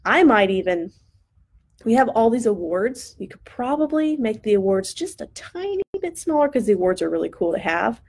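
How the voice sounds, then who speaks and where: A woman's voice: a little high, big pitch swings, moderate pace, darkish tone, husky. A woman in her thirties talks through student poster designs on a live stream, upbeat and chatty as she thinks aloud. Her voice sounds worn and starts to crack after long use. She speaks into a desk mic in a home studio.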